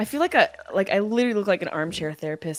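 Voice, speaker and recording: A woman at a very fast pace with lively intonation. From upstate New York. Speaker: comedian and podcast host. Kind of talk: casual chat. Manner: animated. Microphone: new microphone.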